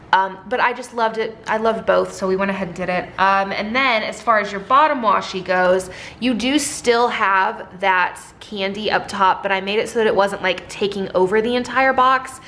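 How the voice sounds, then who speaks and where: Chatty woman, slightly hoarse. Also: mid-range voice, fairly bright tone, slight background noise. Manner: chatty, rambling, many ums and likes. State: slightly hoarse, losing her voice. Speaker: sticker shop owner and designer. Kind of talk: casual product walkthrough.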